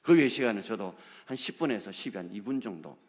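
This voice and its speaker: A man's voice: fairly low pitch, lively intonation, a little fast. A male pastor preaching a sermon, driving his points home with rhetorical questions to the congregation. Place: church sanctuary. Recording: long hall reverb.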